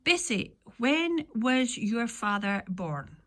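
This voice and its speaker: A woman's voice: a little high, sing-song, slow, fairly bright tone. A woman from north-east Scotland with a Doric accent, interviewing informally in a chatty, encouraging way, often repeating and affirming. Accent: north-east Scottish Doric.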